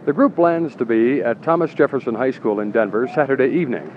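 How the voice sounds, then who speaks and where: A man delivering a formal field news report beside a highway, heard from old newsreel footage. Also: a little fast. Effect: old newsreel audio. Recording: dull lo-fi old newsreel with loud outdoor noise.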